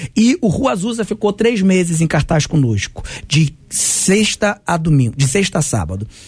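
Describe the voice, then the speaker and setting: Noticeable background noise fills the clip. Through it, a man talks at a moderate pace. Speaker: theater founder.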